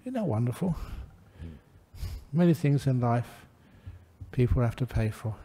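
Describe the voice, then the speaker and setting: Gentle older monk with a very dark voice. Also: male voice, medium pitch, expressive, slightly rough. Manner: gentle, humorous, unhurried. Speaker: Buddhist monk giving a dharma talk. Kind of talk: relaxed dharma talk with anecdotes.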